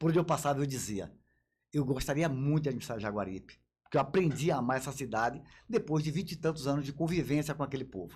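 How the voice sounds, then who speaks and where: On a very clean recording with a silent background, a man talks at a very fast pace, his voice somewhat breathy and fairly high-pitched, with ordinary pitch variation. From Bahia, Brazil. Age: 60s. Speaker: politician, vice-mayoral candidate. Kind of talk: podcast interview.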